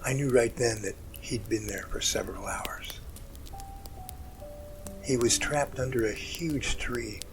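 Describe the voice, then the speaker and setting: A man playing an emotional rescuer in an amateur audio drama, recounting events in an earnest, halting, dramatic way. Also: mid-range voice, natural voice. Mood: earnest, awed. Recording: music bed under the voice.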